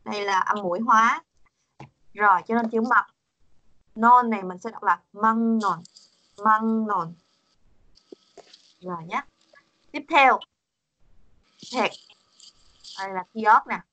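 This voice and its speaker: A woman's voice: medium pitch, slow pace, pauses often, sharp tone. A woman teaching a Korean pronunciation lesson over a video call, patient and coaxing, repeating words for her students.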